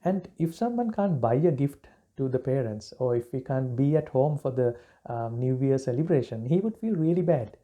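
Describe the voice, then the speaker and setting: A man from Sri Lanka, a Buddhist monk giving a relaxed dharma talk, pausing often with fillers and restarts. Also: medium pitch, narrow, tinny audio. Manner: halting, many fillers and restarts.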